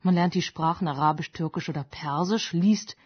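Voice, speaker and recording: A woman radio presenter calmly reading a formal introduction. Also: on the low side, moderate pace, slightly rough, highs cut off.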